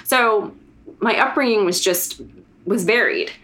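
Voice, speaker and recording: A woman's voice: medium pitch, measured pace, a bit bright, slight background noise. A woman from the United States, a guest in a podcast interview, talking in a loose, rambling way with many fillers and restarts. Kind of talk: casual interview chat.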